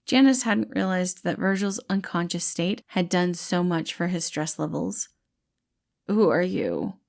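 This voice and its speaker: A woman's voice: lowish voice, steady tone, normal speed, vocal fry. A woman narrating a scripted story as an audiobook-style reader of fan fiction.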